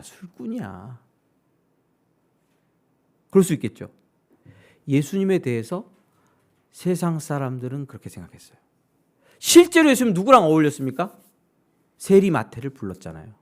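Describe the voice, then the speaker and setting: A man's voice: fairly quick, long pauses. A male pastor preaching a sermon. He keeps putting questions to his congregation and acts out what other people say. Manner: animated, asks the congregation questions directly; acts out quoted voices with sudden high-pitched outbursts.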